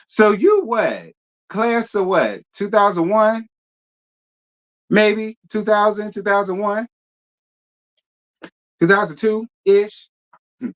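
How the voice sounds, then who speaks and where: Here a high-voiced man in his thirties runs a laid-back stream, reading viewer messages and firing back sassy, drawling replies punctuated by laughter. The audio has its upper frequencies cut off.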